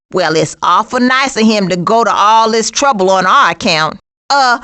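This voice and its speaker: A woman voicing a sassy, streetwise, sarcastic female skunk with slangy wisecracks in an animated video game. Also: fairly high pitch. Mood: wry, sarcastic.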